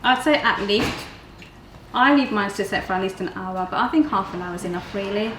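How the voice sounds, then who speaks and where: Fast-talking woman cook in a roomy kitchen. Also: mid-range voice, fairly bright tone, slight background noise. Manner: practical, explains steps plainly. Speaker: guest cook. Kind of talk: casual cooking demonstration. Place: home kitchen, indoors. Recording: roomy kitchen with faint ambience.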